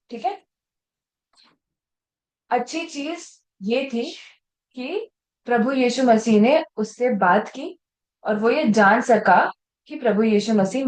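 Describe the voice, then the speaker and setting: Lady sunday school teacher, kinda high voice, lively, quizzing the kids, echoey room. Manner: animated, asks the children questions. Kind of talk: Bible story lesson for children. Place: church room with children, also on a video call.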